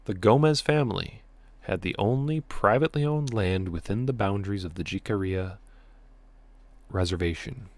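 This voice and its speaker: A man hosting a live stream, reading out a story and chat comments in a relaxed, offhand way. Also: on the low side, normal speed, no room sound.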